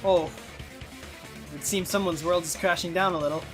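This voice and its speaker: Over game music, a gamer woman comments casually on what she's playing, her talk slangy and offhand. Her voice sits on the low side, steady in tone, at a moderate pace.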